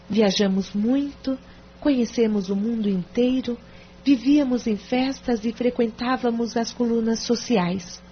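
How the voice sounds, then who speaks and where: A woman's voice: a little high, close to an everyday voice. A woman voicing a reserved, hesitant wealthy wife confiding in her lawyer. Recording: dull lo-fi with faint hum.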